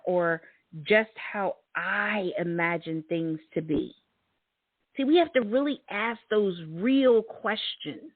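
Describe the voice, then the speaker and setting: Woman host, middle-aged, deliberate motivational delivery, thin dry sound. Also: mid-range voice, dry recording, phone-quality sound. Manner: emphatic, repeats key words, laughs often. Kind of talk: motivational talk.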